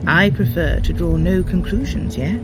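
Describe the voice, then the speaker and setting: An actress playing a grave, cautious, commanding Norse goddess in an audio drama, with measured, formal, archaic speech. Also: female voice, lowish voice, animated, loud music behind the voice, lightly acted, poor audio. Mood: guarded.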